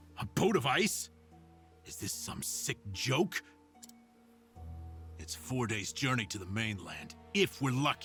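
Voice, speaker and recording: Clear music plays in the background as a man at a medium pitch uses a put-on character voice at a fairly slow pace. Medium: game stream. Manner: gruff, curt.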